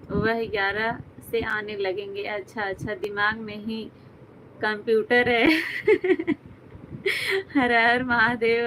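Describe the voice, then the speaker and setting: A chatty woman from Uttar Pradesh hosts a live stream from home, reading out comments and greeting viewers by name. Her voice sits a little high but stays level, with little rise and fall. A faint hum runs under the recording. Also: a bit bright, poor audio. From Uttar Pradesh, India.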